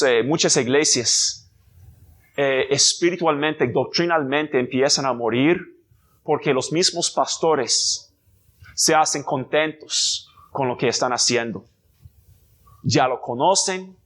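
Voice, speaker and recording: A man preaching a sermon as pastor, deliberate and emphatic, with rhetorical questions and sudden rises in pitch. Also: a bit bright. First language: English.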